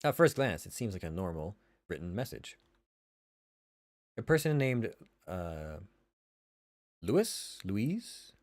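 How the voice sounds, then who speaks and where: A man's voice: deep voice, very animated, takes it slowly, pauses often, dry recording, clean studio sound. A man narrating a visual novel aloud in an informal way, correcting himself as he reads.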